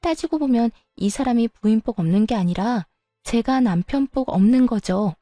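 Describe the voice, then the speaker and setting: A woman's voice: on the high side, lively intonation, normal speed, mellow, no room sound, soft background music, lightly acted. A woman voicing an exhausted young sister-in-law who firmly pushes back at her mother-in-law.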